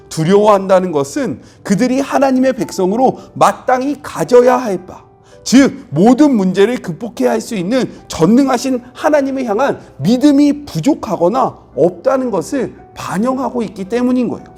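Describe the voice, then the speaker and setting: A husky-voiced middle-aged man preaches in a lively, rising-and-falling way. He is a pastor explaining scripture earnestly, with faint music under his voice. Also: very high voice. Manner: earnest, explanatory, acts out quoted speech with rising intensity. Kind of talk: devotional Bible sermon.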